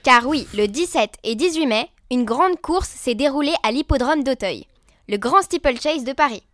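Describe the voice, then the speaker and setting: A young woman co-hosting a scripted debate show, expressive and playfully indignant. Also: sits high, normal speed, dry recording, studio quality. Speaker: co-host.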